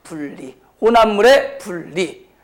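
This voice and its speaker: Guy teaching science, pretty high voice, throat sounds strained, blunt casual talk, keeps quizzing the class. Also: lively intonation, slow. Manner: question-and-answer delivery, repeatedly prompting students; blunt, informal speech to students. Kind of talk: high school chemistry lecture.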